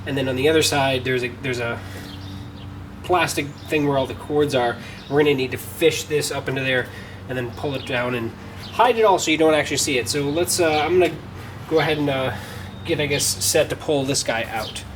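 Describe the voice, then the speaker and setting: A man's voice: medium pitch, fairly quick. Distant, noisy man's voice narrating DIY work. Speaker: DIY car tutorial host. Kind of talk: casual how-to narration while working. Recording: distant mic, clearly noisy, vehicle ambience.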